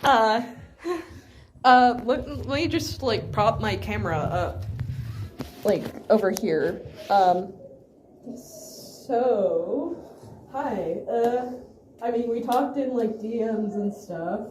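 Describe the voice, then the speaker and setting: A woman playing an awkward, hesitant young amateur investigator who talks haltingly in a found-footage vlog. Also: a little high, expressive, darkish tone. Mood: nervous. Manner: halting, hesitant, full of restarts. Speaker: video host and interviewer. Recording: roomy echo, faint noise, handheld camera.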